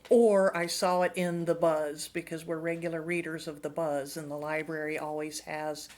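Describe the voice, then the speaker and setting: Woman, early sixties, moderately low voice, retired interviewee, casual answers. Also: little pitch movement, moderate pace, a little mellow. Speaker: interviewee, retired class participant.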